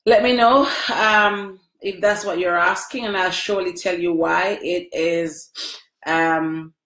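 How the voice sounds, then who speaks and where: Her voice is fairly low and fairly bright, with fairly even intonation, and she takes it slowly. She's a middle-aged woman livestreaming from a small, echoey room at home, emotional and sniffly after crying as she chats with viewers by name over a close-range webcam.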